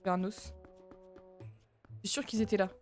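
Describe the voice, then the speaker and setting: A woman's voice: mid-range voice, little pitch movement, normal speed, darkish tone. A woman in her twenties chatting casually with her viewers while playing a game, rambling and talking to chat. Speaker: streamer. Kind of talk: casual gaming commentary. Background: faint game music.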